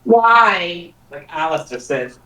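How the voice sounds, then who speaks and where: A man chatting casually on a call with an unhurried, halting delivery. He drags out his phrases and breaks into laughter between them. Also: sits high, lively intonation, bright, forceful tone, rough recording. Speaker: guest on a call. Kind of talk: casual chat.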